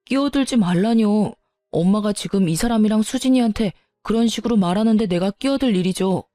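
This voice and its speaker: A woman's voice: medium pitch, fairly quick, warm tone, dry recording, studio quality, faint music behind, lightly acted. A woman voicing a young husband who protests with agitation in a storytelling video. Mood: heated. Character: heated young husband defending his wife.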